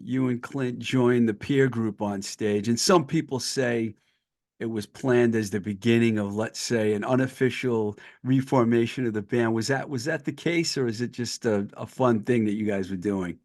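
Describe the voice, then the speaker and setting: A man's voice: medium pitch, moderate pace, darkish tone. A man hosting a casual podcast interview, asking eager, fan-like questions. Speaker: podcast host.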